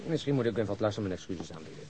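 An actor playing a grumbling, sardonic married police detective in a naturalistic radio drama, gruff and contrary in manner. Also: male voice, fairly low pitch, animated, racing, mellow, slight background noise, natural voice.

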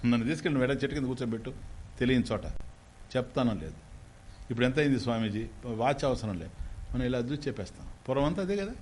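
A man giving a Vedanta discourse as a spiritual teacher. He asks his listeners questions and answers them himself, and he slowly chants Sanskrit phrases. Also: mid-range voice, animated, a little mellow, a little hiss or hum.

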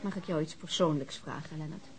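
A woman playing a playful, caring and outspoken companion in a radio drama, brisk and coaxing. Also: low voice, a little mellow, close to an everyday voice. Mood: cheerful, frank. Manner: brisk, coaxing, plain-spoken. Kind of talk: naturalistic Dutch radio drama acting. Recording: clear outdoor ambience noise behind.

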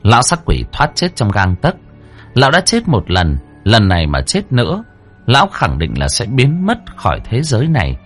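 A man's voice: mid-range voice, wildly swooping pitch, normal speed, fairly bright tone, breathy edge, faint music behind. A man narrating a horror story dramatically.

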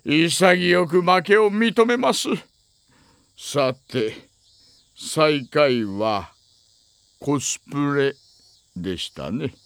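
An actor playing a sly, burly aging man in an anime audio drama, unctuously polite and theatrical with drawn-out phrasing. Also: a little high, animated, gravelly, a bit bright, dry recording, full character voice. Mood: gracious, resolute. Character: sly, courteous aging man, burly judo-trained gambler.

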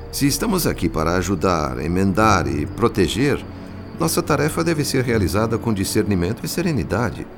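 An actor playing a calm, wise spirit mentor who speaks in a measured, gently admonishing way in a radio drama. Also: male voice, fairly low pitch.

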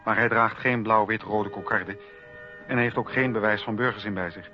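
A man narrating a scripted radio documentary in a measured, formal storytelling manner on a lo-fi recording. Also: fairly low pitch, fairly even intonation, faint music behind.

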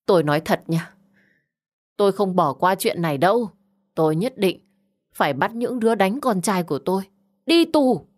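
A woman voicing an aggrieved, vengeful middle-aged mother who shouts threats in an audio story. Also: lowish voice, lively intonation, normal speed. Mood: indignant. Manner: shouting, indignant.

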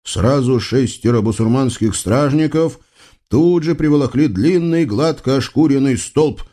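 A man narrating an audiobook in an expressive, ironic, conversational way. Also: mid-range voice, measured pace.

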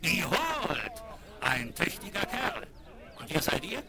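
A man's voice: high-pitched, huge pitch swings, takes it slowly, gravelly, over a noisy crowd, exaggerated voice. An actor playing a white frontier man in a 1970s German Western radio play, with theatrical, emphatic delivery. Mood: surprised, brisk. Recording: noisy, crackly vinyl rip.

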